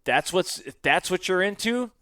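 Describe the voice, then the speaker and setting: Blunt, smooth-voiced man. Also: sits high, expressive, moderate pace, pushed and bright, no echo. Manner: blunt, opinionated, swears freely. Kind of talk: casual chat.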